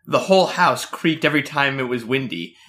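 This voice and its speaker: A man's voice: mid-range voice, a little fast, sharp tone, close to an everyday voice. An actor playing a dim, brash young man who serves as hired muscle, blunt and cheerfully tough.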